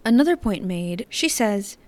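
A woman's voice: mid-range voice, lively intonation, a little slow. A woman hosting a podcast, reading scripted commentary in an earnest, reflective way. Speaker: podcast host.

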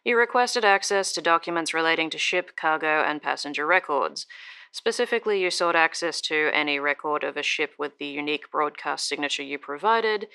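Government officer, female, low-pitched, clear crisp delivery, formal, officious, bureaucratic, audio drama. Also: bright, forceful tone. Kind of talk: reading formal official correspondence.

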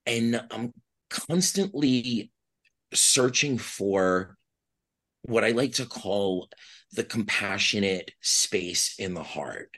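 A man's voice: on the low side, lively intonation, takes it slowly, fairly bright tone. A man from New York, a guest on an interview podcast, talking in an earnest, reflective way with restarts. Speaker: guest, blind advocate.

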